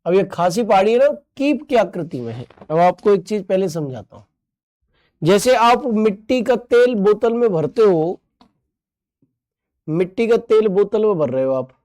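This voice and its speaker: A man teaching an online exam-prep lesson, playful and joking with students' comments, drilling terms by repeating them and asking quick questions. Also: sits high, very animated, a little mellow.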